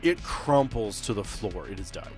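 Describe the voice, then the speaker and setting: A man's voice: lowish voice, expressive, moderate pace, soft background music. A man working as game master, narrating a tabletop game off the cuff and talking players through the action in a casual way.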